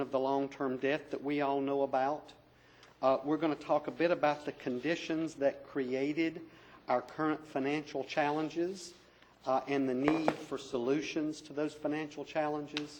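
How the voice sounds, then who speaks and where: At a moderate pace, a man with a North Carolina accent talks in a fairly high, monotone voice with flat intonation. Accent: US Southern (North Carolina). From North Carolina, Iredell County. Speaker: financial advisor. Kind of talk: formal presentation. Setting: town council meeting.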